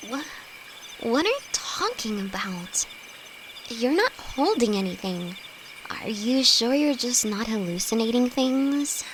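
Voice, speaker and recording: A woman's voice: fairly high pitch, sing-song, slow pace. A woman acting a timid, affectionate young apprentice alchemist in an intimate audio roleplay, nervous, stammering and hesitant, speaking to her best friend. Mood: alarmed, confused. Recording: insect and cricket noise behind voice. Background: night forest ambience with crickets.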